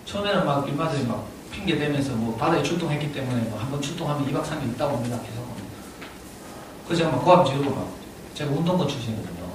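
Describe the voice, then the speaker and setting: A middle-aged man with a Gyeongsang accent tells a personal story to an audience, animated and laughing often as he talks. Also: medium pitch. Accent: Gyeongsang (Daegu). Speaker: parent speaking at a parenting lecture. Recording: echoey hall, distant mic, audible room noise.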